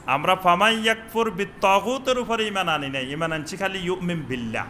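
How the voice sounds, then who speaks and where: A man preaching a sermon in a mosque, chanting Arabic phrases slowly and questioning his listeners. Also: high voice, bright, forceful tone, a little hiss or hum. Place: mosque with upper floor and veranda.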